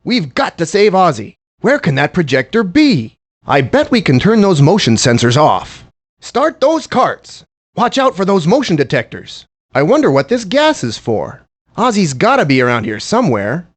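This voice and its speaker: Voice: mid-range voice, sing-song, moderate pace. Eager cartoon hero urging the gang along, swooping intonation, earnest short hints. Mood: urgent, eager. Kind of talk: video game hint lines.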